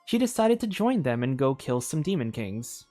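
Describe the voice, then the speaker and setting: A game streamer reads a story aloud with an expressive, somewhat dramatic storybook delivery. The voice sits at a middling pitch, with music playing behind it. The reading is informal and open to casual asides. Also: normal speed.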